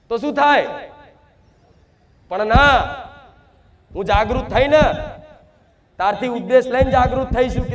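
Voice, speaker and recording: A man with a very high voice shouts loudly and declaims as a spirit medium giving a trance sermon to devotees. His delivery is full of repetition and rhetorical questions.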